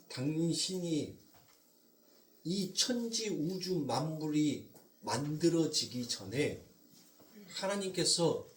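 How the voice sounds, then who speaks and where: Male pastor, Jeolla accent, dramatic sermon delivery, fairly high voice, faint room ambience. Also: echoey room, recorded from a distance, a little hiss or hum. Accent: Jeolla Korean. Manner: animated, swings from loud emphasis to near whispers. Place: church sanctuary.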